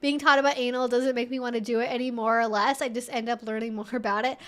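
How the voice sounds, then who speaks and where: High pitched lady streamer just chatting away, answering comments, super informal. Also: little pitch movement, fast. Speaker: livestream host answering viewer questions. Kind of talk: casual livestream chat, reading and answering comments.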